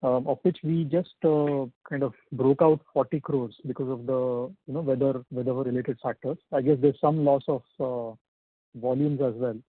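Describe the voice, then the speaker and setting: A man's voice: medium pitch, steady tone, normal speed, dry recording. A man with an Indian accent asking questions as a financial analyst on an earnings call, politely and with some hesitation. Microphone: phone. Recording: dry, narrow phone line.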